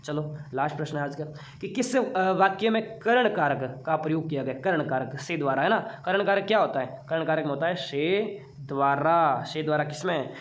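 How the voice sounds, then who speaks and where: A man's voice: fairly high pitch, moderate pace. A man teaching an online exam-prep class in a playful, chatty way, teasing his students. He mentions he has been unwell.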